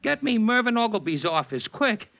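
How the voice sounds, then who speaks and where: An actor playing a nervous, fast-talking male Hollywood agent who narrates a 1950s radio drama, wheedling and excitable. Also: high voice, vocal fry, background noise, exaggerated voice. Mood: harried. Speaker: harried talent agent and narrator.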